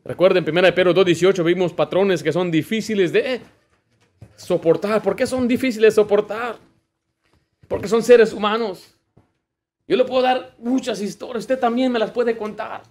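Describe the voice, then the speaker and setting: A man's voice: high-pitched, normal speed, darkish tone. A man preaching a sermon as pastor, fervent and full of personal work stories. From United States.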